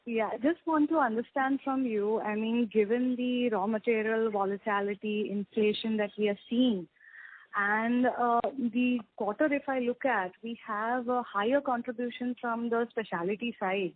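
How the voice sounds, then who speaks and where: A woman's voice: fairly high pitch, fairly even intonation, normal speed, husky, dry recording. A woman with an Indian accent politely asks unscripted questions as an analyst on a conference call. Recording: dry, narrow phone line.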